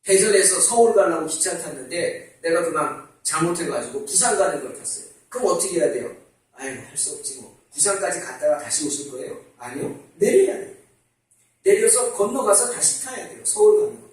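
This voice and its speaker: A middle-aged man preaching a sermon as pastor, talking in a lively, conversational way and asking the congregation questions. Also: sits high, brisk. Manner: animated, conversational, asks the congregation rhetorical questions. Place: church sanctuary. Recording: very echoey church hall from far off.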